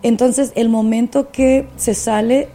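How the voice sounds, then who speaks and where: A woman's voice: a little high, fairly even intonation, takes it slowly, dark tone, a little hiss or hum. A woman, a singer-songwriter and speaker, sharing her faith testimony as a podcast guest in a fervent, preacher-like way with frequent fillers.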